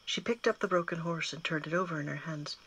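A woman reads a children's novel aloud with expressive storytelling. Her low-pitched voice is husky yet bright, and it moves up and down with the story. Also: fast, low-quality recording. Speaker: guest reader.

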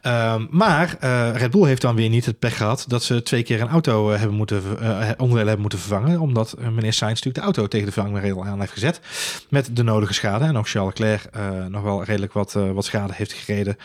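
Fast-talking man chatting about racing. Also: lowish voice, dry recording. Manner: fast, filler-heavy, dry jokes. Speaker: podcast co-host. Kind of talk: casual Formula 1 chat.

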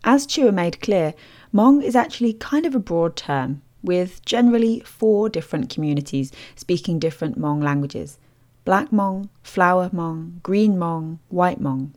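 A woman host reading scripted documentary narration in a measured, descriptive storytelling manner as a studio voice-over. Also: fairly low pitch, animated, a little mellow.

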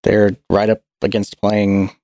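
A man co-hosting a podcast in casual chat, speaking haltingly and stuttering, with low energy. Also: completely flat delivery, warm tone, a little hiss or hum. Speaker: podcast co-host.

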